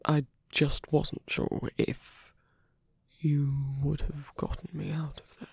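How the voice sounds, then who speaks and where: A man playing a wounded, gentlemanly villain in love in an intimate ASMR roleplay, breathy and husky, often whispering, with a hesitant, polite, weakened delivery. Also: on the high side, monotone, no room sound, studio quality, heavily acted. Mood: tender, hesitant. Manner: hesitant, halting, polite and formal.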